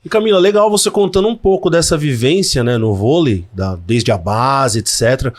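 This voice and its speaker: A man's voice: medium pitch, lively intonation, moderate pace. A man hosting a podcast interview, talking in a conversational way. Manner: conversational, tags lines with "né". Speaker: podcast host. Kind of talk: interview questions.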